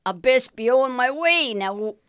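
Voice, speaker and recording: A woman's voice: high voice, lively intonation, a little slow, a bit bright, smooth, dry recording, studio quality. A woman playing a brash Scottish woman in a radio comedy sketch, with a broad, teasing Scottish accent. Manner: exaggerated brogue, Scots words, teasing.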